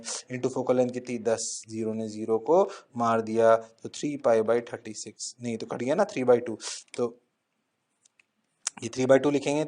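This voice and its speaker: A man's voice: medium pitch, darkish tone. A male physics teacher giving an exam-prep lecture, coaxing students in a playful, sing-song way and mixing English terms into his speech.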